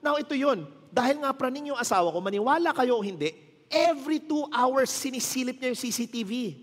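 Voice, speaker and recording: A man's voice: extremely high pitch, expressive, fast talker, a bit bright, long reverb tail. A man in his thirties with a Filipino accent, a pastor telling stories in a casual sermon with joking asides, his voice strained and tired. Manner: storytelling, mixing Tagalog and English, joking asides. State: tired, strained voice from little sleep. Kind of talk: conversational sermon.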